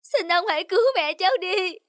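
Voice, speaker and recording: A woman's voice: extremely high pitch, moderate pace, a bit bright, dry recording, studio quality. A woman voicing a devoted young daughter in a cartoon, pleading and emotional, with music playing behind. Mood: pleading, tearful. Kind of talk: cartoon voice acting. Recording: background music under the voice.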